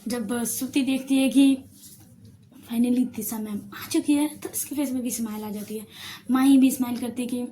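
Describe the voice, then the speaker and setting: A woman's voice: a little high, steady tone, moderate pace, warm tone, a little hiss or hum. A woman narrating a romance story in a casual, emphatic, repetitive way.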